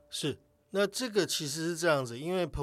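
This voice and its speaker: This is a man with an unremarkable speaking voice. His pitch variation is ordinary. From Taiwan, Penghu islands. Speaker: foundation chairman and author. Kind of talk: interview.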